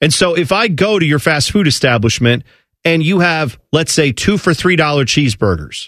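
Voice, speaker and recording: A man with an unremarkable speaking voice, pitched fairly high. His intonation is lively and his loudness very even. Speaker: radio host. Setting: studio. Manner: bantering, quick, jokey.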